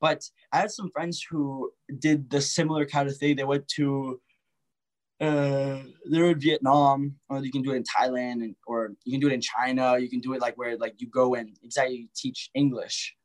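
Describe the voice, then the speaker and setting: A man's voice: mid-range voice, steady tone, normal speed, poor audio. A man from a French-speaking region, a podcast guest chatting casually and rambling with lots of fillers and restarts. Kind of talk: casual chat.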